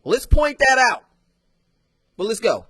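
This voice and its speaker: A man giving sarcastic, emphatic casual commentary as he pauses and reacts to a clip. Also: extremely high pitch, sing-song, fairly bright tone, breathy edge, no room sound, studio quality.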